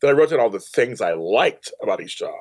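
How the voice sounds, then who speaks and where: A man's voice: medium pitch, sing-song, fairly quick, no echo, clean studio sound. A man in his fifties speaking as an interview guest, telling stories casually and emphatically, repeating phrases and acting out quoted dialogue. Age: 50s. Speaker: podcast guest, professional organizer. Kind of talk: animated storytelling in a casual interview.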